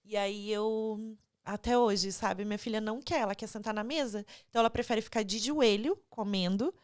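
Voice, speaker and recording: A woman's voice: medium pitch, moderate pace, no room sound, studio quality. A woman with a Brazilian Portuguese accent hosting an interview podcast, talking casually about her daughter and often tagging her sentences with "né" and "sabe". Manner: chatty, animated, tags sentences with "né" and "sabe". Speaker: podcast host; mother of a young daughter.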